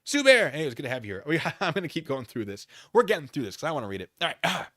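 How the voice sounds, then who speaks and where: A male streamer talks to his chat in a casual but theatrical way. His pitch swings widely around an average register, and he leans hard on his points. The voice is bright and sits in a dry space. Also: sing-song, very fast, no echo. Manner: theatrical, emphatic, exasperated debating. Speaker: livestream host. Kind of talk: casual livestream chat with viewers.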